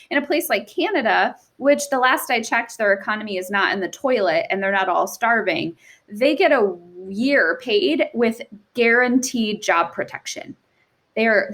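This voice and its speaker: A woman's voice: on the high side, a bit bright. A woman of forty, a guest and researcher, explaining her points earnestly in a casual podcast conversation, with frequent "like" fillers. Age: 40s.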